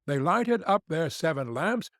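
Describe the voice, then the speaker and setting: A man reads a fairy tale aloud for an audiobook at an unhurried, measured pace. His voice sits a little high for a man and rises and falls with lively expression. The sound is close and dry. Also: dry recording. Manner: measured storytelling. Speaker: audiobook narrator. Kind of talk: scripted fairy-tale narration.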